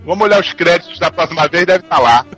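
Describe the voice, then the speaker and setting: A Brazilian man with a high, very lively voice takes part in a casual podcast. He speaks jokingly as a panelist, with music in the background. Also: fast.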